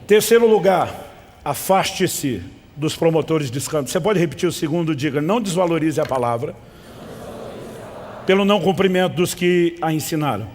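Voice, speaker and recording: Male pastor, fairly high voice, emphatic sermon with call-and-response, long hall reverb. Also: lively intonation, moderate pace, a little hiss or hum.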